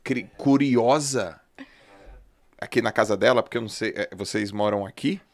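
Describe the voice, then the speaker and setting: A middle-aged man with a fairly low voice hosts a casual podcast chat at a moderate pace. He's laid-back and slangy, telling stories with plenty of animation.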